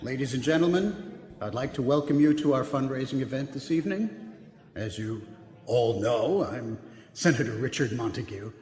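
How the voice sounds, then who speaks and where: A man playing a smooth, self-important senator in an audio drama, speaking in a pompous, formal politician's manner. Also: mid-range voice, a little mellow, natural voice. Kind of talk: full-cast audio drama acting, speechmaking. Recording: echoey hall reverb, music behind.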